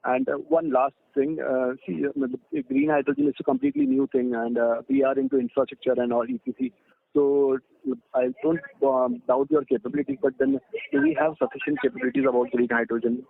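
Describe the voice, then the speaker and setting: A man with an Indian accent asking questions as an investor on an earnings call, polite and halting, over a phone line. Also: mid-range voice, very animated, creaky.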